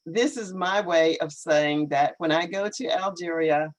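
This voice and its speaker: A woman hosting a live online English lesson, speaking carefully and encouragingly with clear articulation. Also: on the low side, a little slow.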